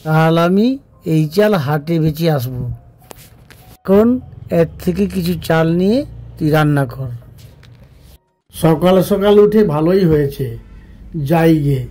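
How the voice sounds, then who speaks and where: A man playing a poor, kindly village father in a cartoon, speaking gently and affectionately. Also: fairly high pitch. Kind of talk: Bengali cartoon story dialogue.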